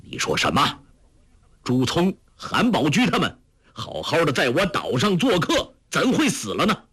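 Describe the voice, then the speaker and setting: A man's voice: fairly high pitch, wildly swooping pitch, a little slow, a bit bright, breathy edge, voice pushed up, exaggerated voice. A man doing a haughty old martial master. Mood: demanding. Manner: haughty, mocking laughter. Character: proud, eccentric older male martial master.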